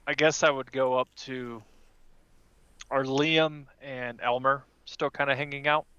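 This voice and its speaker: A man playing a tabletop game, speaking in character with measured, deliberate phrasing. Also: medium pitch, steady tone, sharp tone, clear, resonant tone, no echo, highs cut off. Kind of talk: in-character roleplay mixed with casual play.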